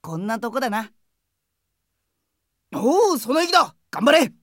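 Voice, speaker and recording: A woman's voice: fairly high pitch, sing-song, unhurried, dry recording, studio quality. A woman playing a brash, friendly teenage boy in an anime game audio drama, talking in casual, cheeky slang like a teasing best buddy. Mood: breezy, cocky.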